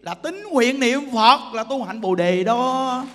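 A man's voice: very high-pitched, animated, slow, fairly bright tone, long reverb tail. A male Buddhist monk, preaching a sermon emphatically and pressing his listeners with rhetorical questions.

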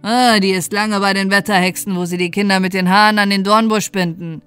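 A woman voicing a gruff, gloomy village blacksmith in a fairy tale, blunt and loud. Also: medium pitch, fairly even intonation, brisk, dry recording, faint music behind, close to an everyday voice.

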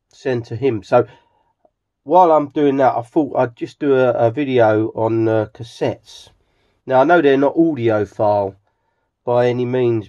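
A middle-aged man with an English accent gives a casual, rambling vlog narration in a halting, hesitant manner. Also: medium pitch, mellow. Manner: halting, hesitant, with frequent throat clearing. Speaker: hobbyist video host. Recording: slightly dull home recording.

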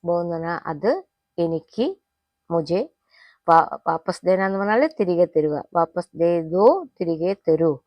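A woman teaching a spoken language lesson. She repeats each phrase slowly and then explains at a brisk pace. The recording is dry, close and a little muffled. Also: fairly low pitch, expressive, dry recording. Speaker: Hindi teacher.

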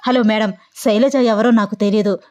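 A man's voice: high-pitched, steady tone, normal speed, a little mellow, close to an everyday voice. A woman voicing a flustered young man on the phone, politely insisting it is a wrong number. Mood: exasperated. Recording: dull lo-fi audio.

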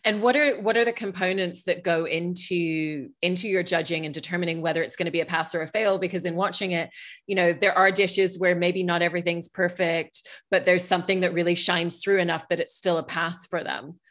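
A young woman with a somewhat low voice asks long, carefully built questions. She speaks as a moderator over a video call. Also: steady tone, brisk, a bit bright. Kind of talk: interview questions.

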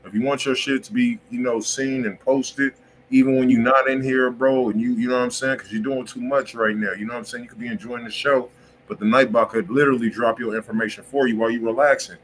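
A man's voice: mid-range voice, steady tone, quick pace, rough recording. American guy hosting a stream, mid voice, real slangy and repeats himself, bit of background noise. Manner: slangy, repetitive, insistent. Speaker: music review stream host. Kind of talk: casual livestream chat with promotional pitch. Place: indoor room on a livestream.

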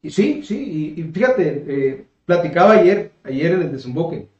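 A man's voice: a little high, sing-song, measured pace, darkish tone. A man in his fifties with a northern Mexican accent, answering interview questions conversationally, often hesitating and repeating words as he searches for the next. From Mexico, coast of Caborca in Sonora. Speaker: political candidate being interviewed. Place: small indoor room, seated at a table. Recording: roomy echo, slightly dull sound.

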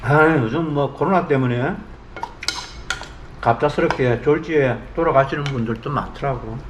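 A man's voice: medium pitch, normal speed, noisy background. A middle-aged man from South Korea hosting a casual eating show, talking expressively as he savors his food, at times with his mouth full. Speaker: mukbang host.

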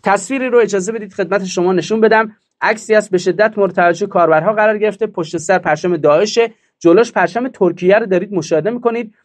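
Emphatic high-voiced male commentator. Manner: emphatic, rhetorical questions, mocking. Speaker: political commentator host. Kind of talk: monologue commentary.

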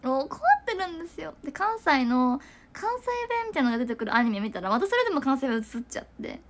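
A woman's voice: sits high, very animated, fast talker. A young woman chatting casually to viewers on a livestream, giggling and rambling with lots of fillers. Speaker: idol livestreamer.

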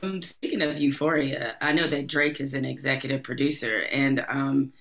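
Very low-voiced woman hosting an interview. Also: normal speed. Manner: relaxed, conversational questions with short backchannels. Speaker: podcast host. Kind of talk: interview questions. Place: home room with bookshelves. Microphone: studio mic close up.

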